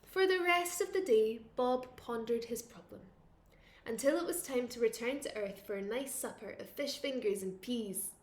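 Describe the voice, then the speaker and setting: A woman reads a children's picture book aloud like a teacher at storytime, expressive and playful. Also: fairly high pitch, moderate pace, roomy sound. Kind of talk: animated children's storytime reading.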